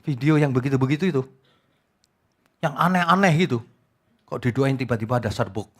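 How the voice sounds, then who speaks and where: A middle-aged man preaching a sermon as pastor, animated, mocking and scolding in turn. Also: medium pitch, fairly quick. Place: church.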